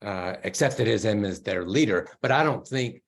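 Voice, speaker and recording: A man's voice: fairly low pitch, lively intonation, moderate pace, creaky. A man in a study group discussion, thinking aloud in a hesitant, thoughtful way. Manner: thoughtful, hesitant, restarts often.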